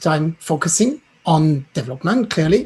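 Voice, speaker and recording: This speaker has a French accent, ordinary pitch variation and a moderate pace. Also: man. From France. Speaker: IT consultant and trainer. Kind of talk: interview.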